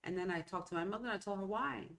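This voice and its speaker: A woman's voice: mid-range voice, rapid-fire, vocal fry, a bit bright. A middle-aged woman whose first language is Spanish, talking in a rambling, casual way as a solo podcast host, often checking in with "okay?" and "right?". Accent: Hispanic American English. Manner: rambling, conversational, self-interrupting with "okay?" and "right?". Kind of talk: solo motivational talk.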